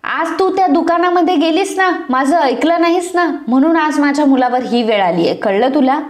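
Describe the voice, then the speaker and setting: A woman's voice: sits high, normal speed, reverberant, lightly acted. A woman voicing a furious domineering mother. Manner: scolding, shouting.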